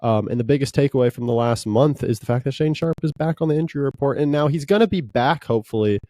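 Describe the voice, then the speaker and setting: Man, podcast host, casual chat, laid-back and rambling, mellow tone. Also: medium pitch, quick pace, dry recording, studio quality. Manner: relaxed, rambling with frequent fillers.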